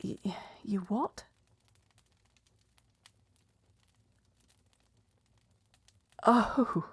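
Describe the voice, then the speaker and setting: Woman acting a proud, unhurried medieval princess. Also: mid-range voice, husky, full character voice. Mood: incredulous. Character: proud, blunt betrothed princess in a medieval romance. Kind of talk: romance audio roleplay acting, addressed to listener.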